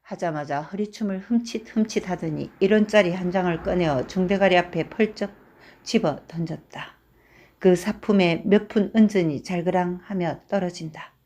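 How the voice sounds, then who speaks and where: A woman calmly narrating a short story in measured tones. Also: on the low side. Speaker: reader.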